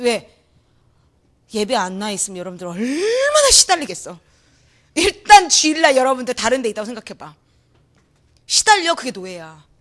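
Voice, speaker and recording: A young adult woman preaching an energetic sermon in a church hall, acting out voices, shouting and laughing as she talks. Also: high-pitched. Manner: animated, acts out quoted voices, shouts and laughs.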